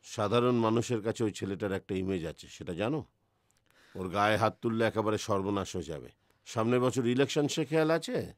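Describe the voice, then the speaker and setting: An actor playing a shrewd middle-aged family patriarch and politician in a film drama, speaking with calculating authority. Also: male voice, lowish voice, animated, a little fast, dry recording, clean studio sound, natural voice. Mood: calculating, stern.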